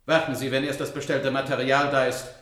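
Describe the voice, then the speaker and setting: Casting: male actor as obliging robot helper, radio drama, deadpan, clipped and rapid, echoey sound. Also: mid-range voice, lightly acted. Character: obliging, unflappable robot builder with motherly instinct. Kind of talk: 1970s German radio drama acting.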